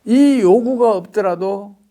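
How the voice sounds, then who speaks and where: A man's voice: high voice, slow, mellow. A man, an economics expert, giving emphatic interview answers full of rhetorical questions.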